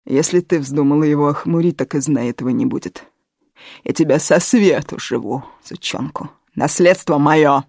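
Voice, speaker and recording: A woman's voice: creaky, a little mellow, slightly rough, dry recording, studio quality, full character voice. A woman voicing a bitter, hysterical middle-aged actress who shrieks and rants in an audiobook. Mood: menacing. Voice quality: shrill, shrieking. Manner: ranting, slow and drawn-out. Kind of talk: audiobook character voice.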